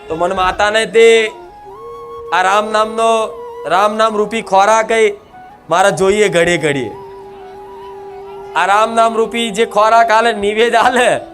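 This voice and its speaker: A man with a high, lifted voice preaches in a long unbroken stream, speaking as a goddess through a medium. He exhorts and calls out to his listeners, leading them in chanted responses. Loud devotional music runs behind him the whole time. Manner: nonstop exhorting, leads call-and-response chants. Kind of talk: devotional sermon.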